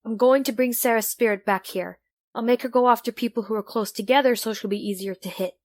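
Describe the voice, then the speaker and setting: Woman playing a female AI helper, slightly high, dry sound, matter-of-fact, protective, audio drama. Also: fast, no echo, natural voice. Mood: urgent, commanding. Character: composed, protective female computer program.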